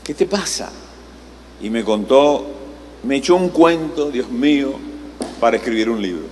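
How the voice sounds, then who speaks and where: A man's voice: medium pitch, expressive, moderate pace, darkish tone, faint music behind. A male pastor preaching a sermon in a conversational way, posing rhetorical questions to the congregation. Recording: live sermon in a reverberant hall, faint noise.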